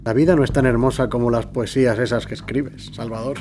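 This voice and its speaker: An actor playing a commanding, cynical middle-aged governor with a Spanish accent in an audio drama, speaking in a declamatory way. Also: male voice, medium pitch, steady tone, fairly quick, music in the background, close to an everyday voice. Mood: cynical, dismissive. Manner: authoritative, declamatory. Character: cynical, commanding provincial governor in 1918 Spain.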